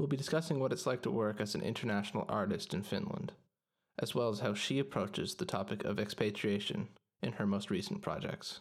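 A man's fairly quick delivery with very wide pitch swings. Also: medium pitch for a man. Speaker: podcast host and art student. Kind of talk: interview; scripted intro.

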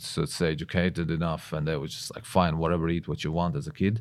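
A man with a Latvian accent is heard in a very clean recording with a silent background. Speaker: personal trainer. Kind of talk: casual interview chat.

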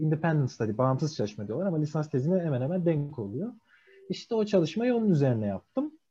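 A man speaks in a dark, mellow tone. His pitch makes very wide swings. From Istanbul, Turkey. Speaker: PhD student in physics. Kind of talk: interview.

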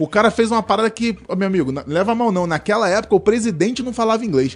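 Backed by music, a man talks very fast in a high voice with lively intonation. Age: 30s. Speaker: podcast guest, football fan. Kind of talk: casual chat.

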